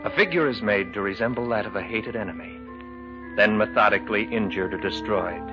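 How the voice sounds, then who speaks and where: A man's voice: lowish voice, lo-fi sound, over music. Grave male narrator, old radio sound. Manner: measured, grave storytelling. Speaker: story narrator. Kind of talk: 1950s radio drama narration.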